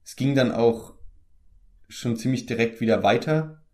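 A man's voice: medium pitch, a little slow, mellow. A young man, an actor from the Palatinate in Germany, chatting casually in an interview, easygoing and full of hesitant fillers and restarts.

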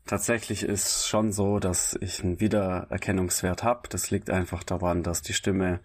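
A man who sings, with a raspy, smoky voice, talking in a relaxed interview and often correcting himself with small laughs. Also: deep voice, moderate pace. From grew up bilingual German-Italian. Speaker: singer, interview guest.

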